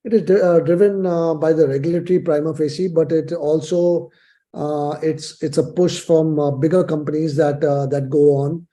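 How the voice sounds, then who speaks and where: Halting, very mellow male executive. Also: a little high, fairly even intonation. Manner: halting, hesitant, measured phrasing. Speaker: company executive answering analysts. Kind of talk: earnings call answers.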